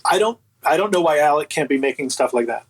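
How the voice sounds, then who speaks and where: A man's voice: a little high, animated, quick pace, breathy edge. A man speaking as an interview guest, chatting casually and giving his opinions in an emphatic, colloquial way. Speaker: interview guest, audio book producer.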